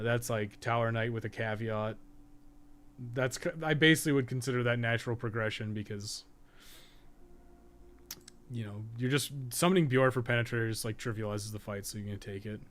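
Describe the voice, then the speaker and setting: A man's voice: medium pitch, steady tone, normal speed, pauses often, a bit bright. A man giving casual, rambling livestream game commentary, thinking aloud with some swearing and self-deprecation. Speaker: video game streamer and podcast co-host.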